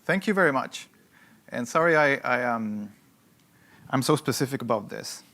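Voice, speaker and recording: A man's voice: mid-range voice, lively intonation, moderate pace, bright, forceful tone. A man teaching a hands-on workshop to a live audience. He talks emphatically, repeats key points and keeps checking that people follow. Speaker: workshop instructor.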